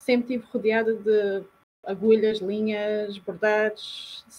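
A woman speaks at a fairly high pitch. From Azores, Terceira island. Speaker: fashion designer and dressmaker. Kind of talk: casual chat.

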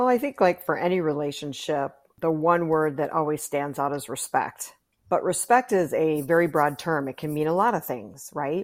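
Very deep, low pitch from a woman, with lively intonation at a moderate pace, on a very clean recording with a silent background. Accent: American. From Wisconsin, near Milwaukee. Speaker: insurance advisor, host's mother. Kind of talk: casual chat.

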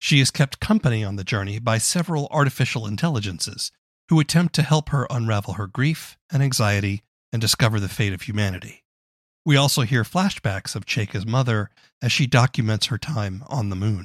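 This man talks at a fairly quick pace with a medium pitch, lively intonation and a somewhat breathy quality. The recording is very clean and dry, close-up with no echo and a silent background. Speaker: podcast host and writer. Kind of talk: interview.

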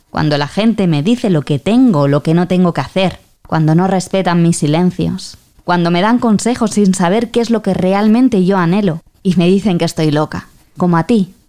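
A woman with a dark, mellow tone talks at a moderate pace, keeping her loudness very even. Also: medium pitch for a woman, ordinary pitch variation. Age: 40s. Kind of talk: reading a personal letter.

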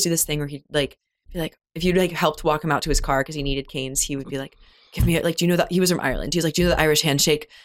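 Speaking at a very fast pace, a woman uses a very deep, low pitch with fairly even intonation. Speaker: podcast host. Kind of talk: interview. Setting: studio.

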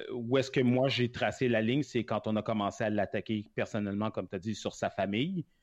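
A man with an ordinary speaking voice talks at a fairly quick pace with hardly any pauses, his medium pitch showing ordinary variation against a quiet background. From Quebec. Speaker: podcast co-host. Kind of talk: casual chat. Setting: live stream.

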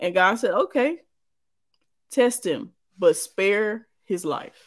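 Slowly and with lively intonation, a woman speaks at a medium pitch.

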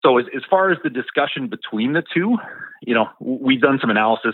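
A man speaks in an unremarkable speaking voice. His pitch varies in an ordinary way. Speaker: mortgage broker. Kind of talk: short interview.

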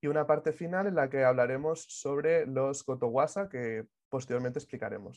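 An unremarkable speaking voice moves at a moderate pace with ordinary pitch variation against a quiet background. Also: man. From Spain, Alcoy (Valencian Community). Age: 20s. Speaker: podcast host. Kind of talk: casual chat.

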